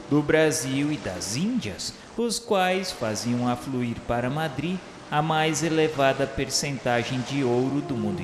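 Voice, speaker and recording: With music in the background and a long, echoey reverb, a man with a Brazilian accent reads a scripted radio drama. His delivery is solemn, formal and literary in a medium-pitched voice. Background noise is also audible.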